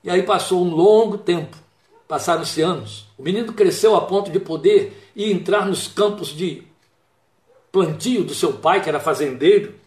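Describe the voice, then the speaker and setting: High-voiced man preaching in an echoey room. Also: normal speed, a little mellow. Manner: retells a Bible story with quoted dialogue and reflective asides. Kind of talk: sermon storytelling.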